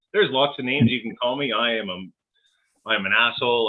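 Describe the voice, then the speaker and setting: An unremarkable speaking voice from a man, fairly quick, with fairly even intonation. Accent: Canadian. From Ontario, Canada. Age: 40s. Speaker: live streamer. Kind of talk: casual chat.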